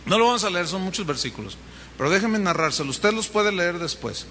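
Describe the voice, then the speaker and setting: A Mexican pastor preaches with a bright, lively delivery, voicing the people in his story as he goes. His voice rings through a large hall with a long reverb. A faint hum of the room sits underneath. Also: sits high, fairly quick. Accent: Mexican Spanish. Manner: animated storytelling, acting out dialogue. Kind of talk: sermon. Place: church hall.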